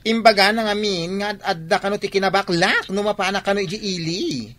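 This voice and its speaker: A woman's voice: medium pitch, brisk, a bit bright, natural voice. Sassy young effeminate gay man played by a woman. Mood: complaining. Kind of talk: Ilocano radio drama acting.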